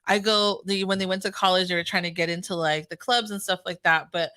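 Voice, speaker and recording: A woman's voice: lowish voice, steady tone, brisk, sharp tone. A woman hosting a casual podcast interview, talking candidly and animatedly, swearing now and then. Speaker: podcast host.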